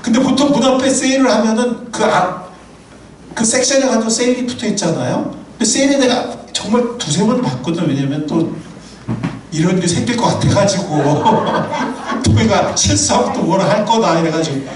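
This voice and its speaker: A male pastor preaching a sermon in a church, animated and humorous, telling personal anecdotes. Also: sits high, moderate pace, crowd noise. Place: church sanctuary. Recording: echoey hall from far off.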